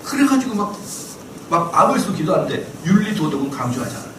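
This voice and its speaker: A man's voice: sits high, quick pace, recorded from a distance. A middle-aged male pastor giving a Bible class lecture, firing rhetorical questions at his listeners and acting out the people he describes. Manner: fires rhetorical questions at the audience; animated, acts out quoted people. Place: church lecture hall. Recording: echoey hall, voice from off-mic, faint hiss.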